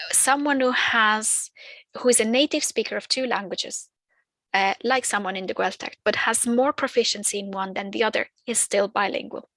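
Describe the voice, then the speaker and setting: A woman's voice: medium pitch, a bit bright, no echo, poor audio. A woman whose first language is not English, explaining terms in a training talk, with fillers and restarts. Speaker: early years language trainer.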